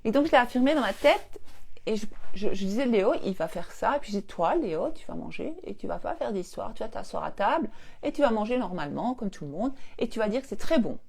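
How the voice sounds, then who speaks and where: On a live stream, a woman coach casually tells her viewers a family story, laughing often and acting out the dialogue with lots of animation. Her medium-pitched voice is creaky, and she talks fast.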